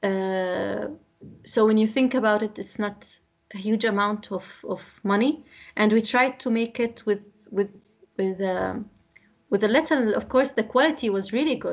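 With an Arabic accent, a woman speaks at a fairly slow pace and a fairly high pitch, using ordinary pitch variation and long, frequent pauses. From Palestine. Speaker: NGO program officer. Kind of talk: interview. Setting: phone call. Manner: halting.

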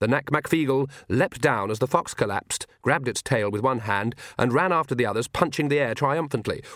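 Reading done in an unforced reading voice

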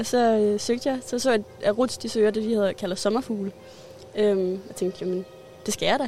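At a moderate pace, a woman talks in a plain, everyday voice with fairly high pitch. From Zealand, north of Copenhagen. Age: 20s. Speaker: deckhand and former waitress. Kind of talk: interview.

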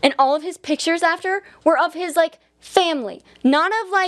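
In an American accent, a woman talks at a moderate pace with ordinary pitch variation. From Colorado, US. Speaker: podcast crew member and co-host. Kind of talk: casual chat.

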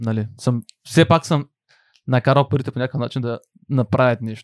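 An unremarkable speaking voice goes at a fairly quick pace with fairly even intonation. The sound is dry and close, with no echo. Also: man. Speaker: podcast host. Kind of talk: casual chat.

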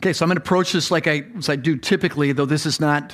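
A man talks at a very fast pace, his fairly high pitch held in a fairly even intonation. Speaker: pastor. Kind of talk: sermon. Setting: church.

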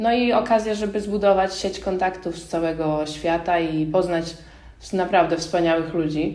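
Amid audible room echo and noticeable background noise, a woman speaks at a moderate pace with a fairly low pitch and fairly even intonation. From Poland, Łódź. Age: 20s. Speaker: business student and secondhand clothing shop co-founder. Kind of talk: casual interview.

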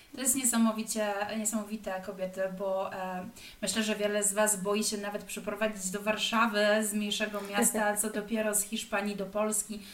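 A woman speaks at a medium pitch in a flat, monotone delivery. The room echoes audibly, and background noise is noticeable. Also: moderate pace. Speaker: podcast host. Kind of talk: interview. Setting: guest's family home in Granada.

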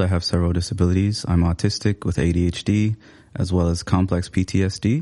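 With a Somali accent, a man speaks in a very deep, low pitch and a dark, mellow tone, keeping his intonation fairly even. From Seattle, US. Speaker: author and writing teacher. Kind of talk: casual interview. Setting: studio.

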